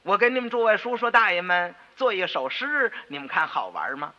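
男说书人扮的机灵调皮的小男孩. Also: male voice, high voice, very animated, a little fast, full character voice. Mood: innocently sly. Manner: soft, sly, innocent-sounding. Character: clever, cheeky nine-year-old schoolboy. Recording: dull radio recording with long reverb.

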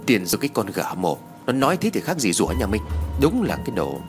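Audio story: panicky village wife, voiced by a male narrator, stammers, lifted pitch; music bed. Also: wildly swooping pitch, a little fast. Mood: scornful. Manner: shaky, stammering. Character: frightened middle-aged village wife. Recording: background music.

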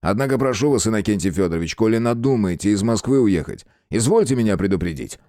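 A man's voice: on the low side, expressive, fast talker, warm tone, no room sound, studio quality, natural voice. Man doing a curt, stern police official. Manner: curt, authoritative. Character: stern male police official, brisk, commanding.

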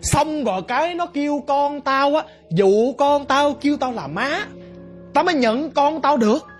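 A man's voice: very high-pitched, expressive, measured pace, soft background music, voice pushed up. A man voicing a vengeful female water demon, snarling and accusing. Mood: bitter.

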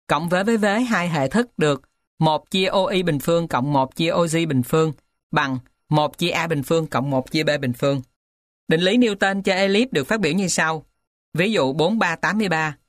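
A woman's voice: low-pitched, no echo, studio quality. A woman reading a textbook aloud as a narrator, in a dictating manner that spells out each symbol and punctuation mark. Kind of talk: scripted read-aloud of a textbook.

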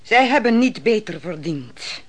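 A devout biblical prophetess and judge in a radio drama. She sounds stern and solemn. Her lines are measured and severe, in a theatrical style. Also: medium pitch, very animated. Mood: stern, probing.

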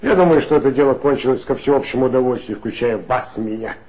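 An actor playing an authoritative male police chief in a 1960s radio play, with a smooth, insinuating, lecturing manner. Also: medium pitch, fast, close to an everyday voice. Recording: dull lo-fi old radio recording.

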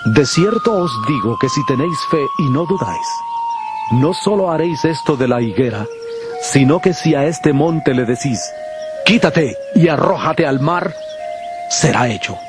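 A man's voice: a little high, lively intonation, measured pace. Solemn male Jesus over music. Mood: firm, teaching. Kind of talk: dramatized scripture audio.

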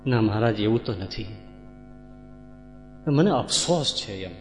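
A man's voice: on the low side, lively intonation, measured pace, pitched below the performer's own voice. A man voicing a grieving, devout woman who pleads humbly for her husband, in a sermon story. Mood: humble. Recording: echoey hall, dull sound, faint music.

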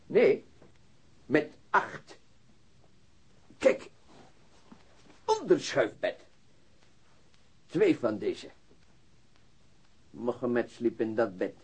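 An actor playing an immigrant truck driver who speaks halting, broken Dutch as a non-native, searching for words. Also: male voice, mid-range voice, wildly swooping pitch, a little mellow, husky, full character voice. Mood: plain, matter-of-fact. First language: not Dutch. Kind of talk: radio drama acting. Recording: dull, band-limited radio recording.

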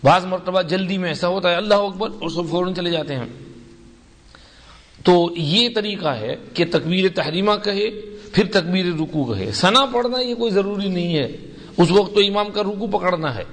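A man's voice: high voice, animated. Man teaching a hadith lesson, reverberant hall. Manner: explanatory, slow and deliberate. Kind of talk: religious lesson.

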